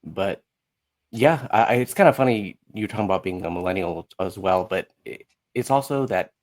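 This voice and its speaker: A man's voice: low voice, expressive, moderate pace. A man in his thirties chatting casually as a guest, rambling and often acting out bits of dialogue. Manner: rambling, often quotes himself and others in dialogue. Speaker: podcast guest, musical writer. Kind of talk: casual chat.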